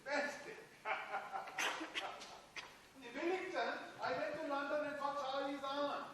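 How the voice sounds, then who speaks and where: Actress as giggly excitable theatre fan, gushing, high voice, way off mic in a big echo. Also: female voice, slow. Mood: amused, delighted. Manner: gushing, breathless enthusiasm. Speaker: stage actor. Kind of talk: dramatised play reading. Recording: echoey hall, distant mic, faint noise.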